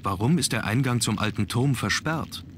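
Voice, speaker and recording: An actor playing a reserved, brooding young aristocrat in an adventure game, formal and deliberate. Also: male voice, medium pitch, expressive, a bit bright, a little hiss or hum, close to an everyday voice. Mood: reserved, courteous. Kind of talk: scripted video game acting.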